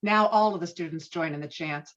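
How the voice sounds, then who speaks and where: A woman's voice: fairly low pitch, brisk, dull audio. A woman reading screenplay stage directions as scripted narration, on video-call audio.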